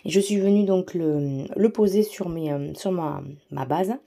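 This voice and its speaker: Woman host, low-ish mellow voice, casual craft voice-over, rambling with fillers. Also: a little slow, creaky. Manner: chatty, many fillers and restarts; self-deprecating, enthusiastic about materials. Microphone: voice-over mic.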